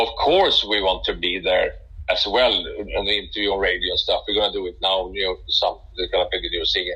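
At a moderate pace, a man talks in a Swedish accent. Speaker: heavy metal guitarist. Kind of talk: interview. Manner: halting, with many repeated words.

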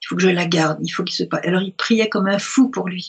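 Somewhat breathy, a woman with a fairly low pitch speaks at a fairly quick pace with ordinary pitch variation. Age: 70s. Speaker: religious teacher. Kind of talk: sermon. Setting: video recording. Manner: halting.

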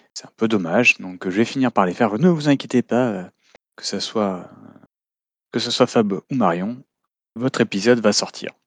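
A man's medium-pitched voice at a moderate pace, with long, frequent pauses, big swings in loudness and ordinary pitch variation, in a dry, close sound with no echo against a quiet background. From France. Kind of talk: casual solo film review. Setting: home office. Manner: hesitant, many fillers.

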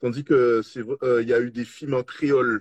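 A man speaks at a very slow pace in a medium pitch, with a dry, close sound and no echo. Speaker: film critic. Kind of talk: interview.

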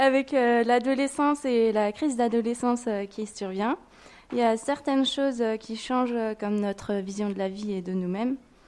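A woman with a fairly high pitch speaks in an ordinary speaking voice at a moderate pace, with ordinary pitch variation. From Strasbourg, France. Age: 20s. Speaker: baptism candidate. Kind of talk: testimony. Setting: church.

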